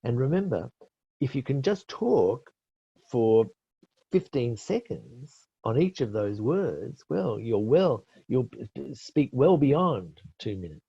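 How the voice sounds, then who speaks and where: A man's voice: medium pitch, very animated, takes it slowly, vocal fry, mellow, slightly rough, dry recording. A middle-aged Australian man giving IELTS tips in a webinar, explaining patiently and correcting himself with many fillers. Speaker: IELTS expert presenter. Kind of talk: webinar teaching with answers to questions. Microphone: webinar call mic. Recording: dull lo-fi webinar audio.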